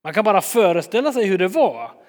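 A man preaching in a relaxed, chatty manner, telling stories with plenty of life. His voice sits fairly high for a man, and a long reverb from a big hall follows every phrase. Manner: lively and chatty, acting out scenes. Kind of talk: sermon, storytelling.

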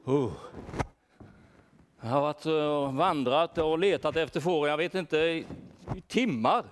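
This man's voice sits a little high and sounds natural, with slight background noise. As the children's talk leader in a church, he plays a fretful shepherd looking for a lost sheep, playfully quizzing the kids, enlisting their help, and shouting out names.

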